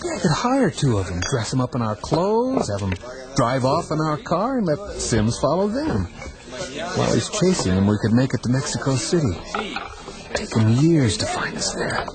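A man's voice: medium pitch, big pitch swings, moderate pace, a crowd in the background, natural voice. An actor playing a husband on the run who keeps reassuring his wife, tense underneath, in a radio drama. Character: anxious husband on the run, young adult. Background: music.

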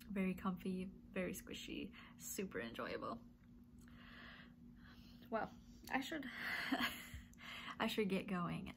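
Congested, gravelly-voiced woman chatting at home. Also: medium pitch, background noise. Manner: chatty, rambling, frequent little laughs and ums. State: stuffy nose, a bit congested. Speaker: knitting podcast host. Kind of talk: casual chatty monologue to camera. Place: home room with yarn shelves.

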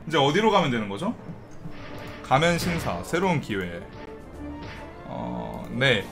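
A man casually commenting on his gameplay as a streamer, chatty and breaking into loud excited outbursts and swearing. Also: fairly high pitch. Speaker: game streamer.

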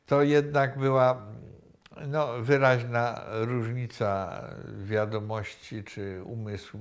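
An older man being interviewed, recalling the past slowly with many pauses and restarts, recorded on a lapel mic in a room. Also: mid-range voice. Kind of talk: reflective recollection. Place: indoor room with wooden cabinets.

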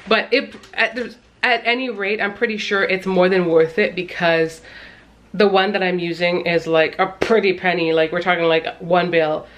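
A woman in her thirties from Canada, chatting casually to the camera in her home kitchen while holding the camera at arm's length, animated and often laughing. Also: fairly low pitch. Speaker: family vlogger. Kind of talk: casual vlog chat. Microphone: handheld camera at arm's length.

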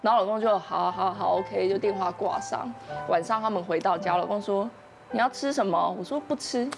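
A woman guest on a talk show, retelling a dream with lively quoted dialogue. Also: medium pitch, brisk. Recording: music under the voice.

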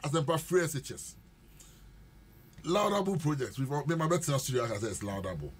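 Ghanaian guy on a radio panel, loud and pushy, keeps talking over people, studio mic. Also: a little high, lively intonation, brisk, slightly rough. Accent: Ghanaian English. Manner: forceful, emphatic, talks over others. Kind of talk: heated political radio debate. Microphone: studio mic on boom.

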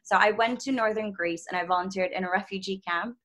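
A woman's voice: medium pitch, fast talker, fairly bright tone. A woman in her twenties, a native Czech speaker, chatting candidly and laughing often in a video-call interview from a small room at home. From Czech Republic. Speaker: travel content creator, guest. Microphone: video call, laptop mic.

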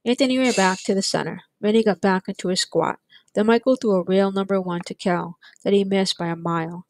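A woman reading a chapter of a novel aloud, in steady, plain storytelling. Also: medium pitch, brisk, no room sound. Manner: steady, plain storytelling with light character voices. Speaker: audiobook reader. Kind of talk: read-aloud narration.

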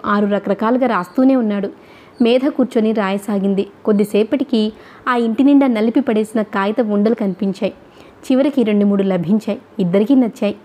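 A woman narrating a novel as an audiobook reader, in a steady, even storytelling manner. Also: mid-range voice.

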